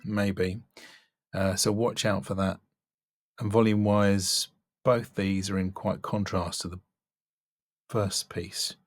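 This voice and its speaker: A man's voice: fairly low pitch, little pitch movement, takes it slowly, long pauses, no echo, studio quality, faint music behind. A man working as a voice-over coach, giving a casual, thoughtful spoken critique and stressing key words. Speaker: voice-over coach reviewing demo reels.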